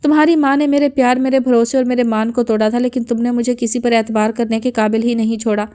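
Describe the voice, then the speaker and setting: A woman's voice: a little high, fairly even intonation, mellow, close to an everyday voice. A woman voicing a stern, unforgiving old grandfather who scolds harshly in an audiobook. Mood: furious.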